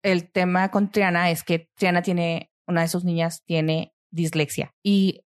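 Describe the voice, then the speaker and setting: A woman's voice: lowish voice, flat delivery, a little slow, clean tone. A woman, a mother recounting events in casual conversation, full of fillers. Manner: storytelling with many fillers.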